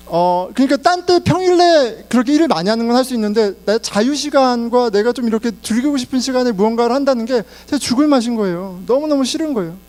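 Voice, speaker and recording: A man's voice: sits high, darkish tone. A middle-aged man preaching a sermon in Korean, telling personal stories and laughing along the way. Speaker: pastor.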